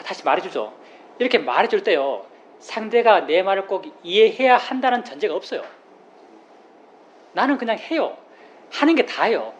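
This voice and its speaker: A Buddhist monk giving a plain-spoken dharma talk, who repeats key phrases and explains with everyday examples. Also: male voice, sits high. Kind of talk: dharma talk to a meditation group. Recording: slightly dull recording with faint room noise.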